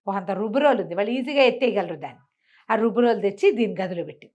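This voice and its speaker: A woman's voice: rapid-fire, lo-fi sound. An older woman telling a village folk tale, slipping into the characters' voices as she goes. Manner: acts out characters' lines with lively pitch swings. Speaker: storyteller. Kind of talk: animated folk-tale narration.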